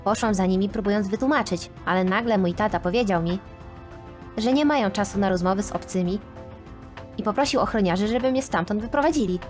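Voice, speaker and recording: Female narrator for a first-person animated story, expressive and dramatic, middle pitch, faint music bed. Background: faint background music.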